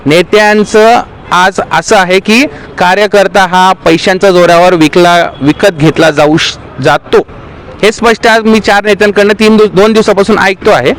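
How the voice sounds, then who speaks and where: Local party official, male, higher voice, earnest grievance speech recorded out on the street. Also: fairly even intonation, moderate pace, fairly bright tone, rough recording. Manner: aggrieved, earnest, appealing to party workers. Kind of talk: impassioned statement to the press.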